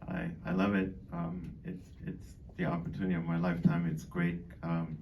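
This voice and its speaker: Deep-voiced middle-aged man, chatty and distant. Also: sing-song, normal speed, gravelly, a little mellow. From born in Boston, grew up in Germany. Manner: rambling and chatty, many fillers. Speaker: dining director. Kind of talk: informal speech to an audience. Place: community hall. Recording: far from the mic, faint background noise.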